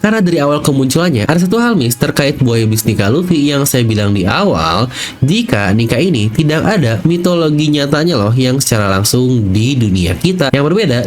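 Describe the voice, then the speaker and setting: Indonesian male YouTube narrator, very animated mid-range voice, chatty and playful, slight noise behind. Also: mid-range voice. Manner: chatty, playful, addresses viewers directly. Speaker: YouTube channel host. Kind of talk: anime theory video narration with casual slang asides.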